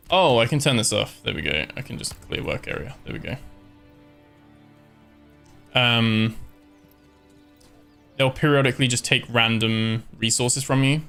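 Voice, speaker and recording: A man giving relaxed, casual commentary as he streams a strategy game, thinking aloud with frequent ums. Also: medium pitch, gravelly. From born in Scotland, raised in Ireland. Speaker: live-streamer.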